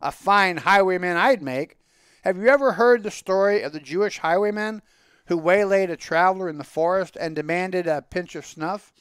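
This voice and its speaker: A man's voice: high-pitched, normal speed, fairly bright tone, clean tone, no echo, voice pushed up. A man voicing a poor, pious Jewish milkman from a storybook, declaiming in a wry, pleading, long-winded way. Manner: declamatory, rhetorical.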